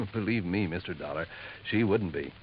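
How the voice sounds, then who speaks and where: A smooth jeweler in a 1950s radio mystery, lowering his voice to share gossip. His tone is confiding and insinuating, set a bit low. The old broadcast is dull with a faint hiss. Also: lively intonation, moderate pace. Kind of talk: 1950s radio drama acting.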